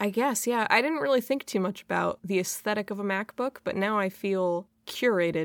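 A woman's normal speaking voice at a medium pitch with ordinary variation, moderate pace and hardly any pauses, the sound dry and close with no echo. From US Midwest. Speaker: podcast co-host. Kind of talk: casual chat.

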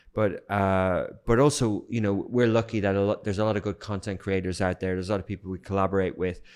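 In an Irish accent, the speaker rushes at a very fast pace with hardly any pauses and fairly even intonation, on a very clean recording with a silent background. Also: man, fairly low pitch for a man. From southeast Ireland. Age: 30s. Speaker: media entrepreneur. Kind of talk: interview.

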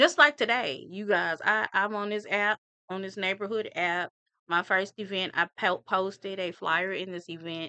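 A woman speaks at a medium pitch with ordinary pitch variation and a bright, sharp tone, her loudness swinging widely in a dry, close recording with no echo and a quiet background. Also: moderate pace. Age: 40s. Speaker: small business owner and event organizer. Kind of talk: live interview. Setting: live at a pop-up shop event.

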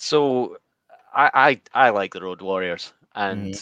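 This man speaks with a Scottish accent and ordinary pitch variation. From Scotland.

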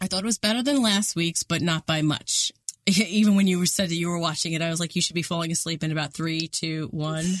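Talking at a very fast pace, a woman uses a New York accent and a fairly low pitch. Her pitch varies in an ordinary way, and the sound is dry and close with no echo. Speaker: podcast co-host. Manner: casual, laughs often.

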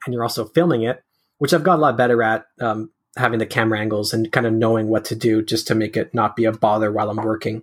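In a very clean recording with a silent background, a man with a Canadian accent talks at a fairly quick pace in an ordinary speaking voice at medium pitch. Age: 20s. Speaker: scale modeler, video creator, engineering graduate. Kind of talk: interview.

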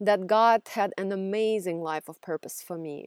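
A woman speaks in a Russian accent at medium pitch with lively intonation and a fairly slow pace. The recording is very clean, with a silent background and a dry, close sound with no echo. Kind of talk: personal testimony with poetry reading.

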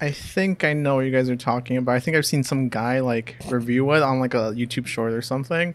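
A man talks at a medium pitch and a fairly quick pace. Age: 20s. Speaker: podcast co-host, guest. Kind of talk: casual chat. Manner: animated.

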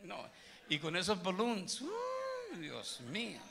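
An animated male voice with ordinary pitch variation, amid noticeable background noise and audible room echo. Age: 70s. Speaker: guest preacher. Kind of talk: sermon. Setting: church.

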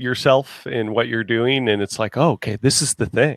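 This man talks at a moderate pace with a Canadian accent and ordinary pitch variation. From Canada, Hamilton, Ontario. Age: 30s. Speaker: musician and internet show host. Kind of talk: casual interview.

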